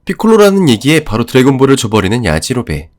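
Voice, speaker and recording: A man's voice: mid-range voice, wildly swooping pitch, fast talker, a little hiss or hum. A man giving scripted narration for an anime story recap.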